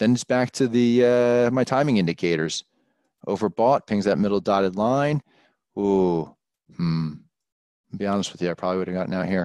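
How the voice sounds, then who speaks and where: A man's fairly low voice, fairly quick in pace yet broken by long, frequent pauses, with ordinary pitch variation, recorded dry and close with no echo against a quiet background. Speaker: stock market presenter. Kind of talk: live webinar presentation. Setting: live online event. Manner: fast.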